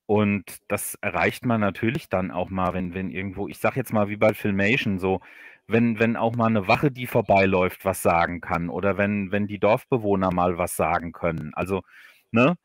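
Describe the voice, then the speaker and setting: A man chatting casually as an interview guest, explaining things haltingly and repeating words as he thinks. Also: low voice, no echo, studio quality. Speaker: audio drama author, livestream guest.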